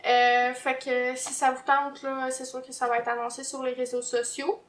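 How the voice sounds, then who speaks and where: A woman's voice: high voice, little pitch movement, moderate pace. A woman with a Québécois French accent hosting a knitting podcast in casual chat, chatty and easily sidetracked, often laughing. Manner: chatty, laughs easily, loses her train of thought. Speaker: knitting podcast host and pattern designer.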